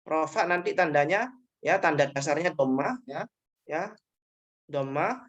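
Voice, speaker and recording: A man's voice: a little high, expressive, a little slow, a bit bright, muffled recording. A man teaching grammar in an online class, explaining patiently and repeating each point with short checking tags.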